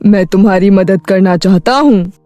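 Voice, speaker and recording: A woman's voice: mid-range voice, moderate pace, dark tone, no room sound, faint music behind, pitched below the performer's own voice, lightly acted. A woman voicing a kindly, fatherly magical tree that speaks reassuringly in a cartoon fairy tale.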